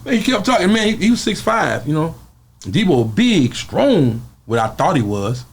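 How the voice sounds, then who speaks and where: A man's voice: on the high side, sing-song, normal speed, creaky, husky. A man from the American South with a Southern Black accent, telling a story casually and colloquially, acting out what people said. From Southern US, Arkansas. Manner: acts out quoted speech, colloquial. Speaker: interview guest.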